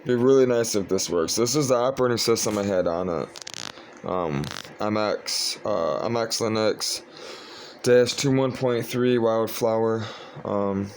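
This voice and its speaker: A young man talking casually to his viewers at home, sleepy and monotone, rambling with lots of fillers. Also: lowish voice, a little slow, slight background noise. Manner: monotone, meandering, frequent fillers. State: tired, sleepy. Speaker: vlogger.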